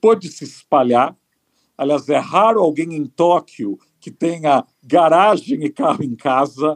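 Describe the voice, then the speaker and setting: A man speaks very slowly, his pitch swinging very widely. The sound is dry and close, with no echo. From Brazil, Santos (São Paulo coast). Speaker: journalist and author on urbanism. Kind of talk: interview.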